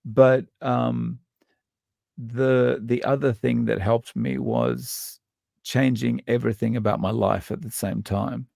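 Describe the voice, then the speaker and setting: A man with an Australian accent, a guest in a casual interview, talking in a halting, thoughtful way with frequent restarts and fillers. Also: medium pitch, fairly even intonation, creaky, a little mellow, dry recording, studio quality.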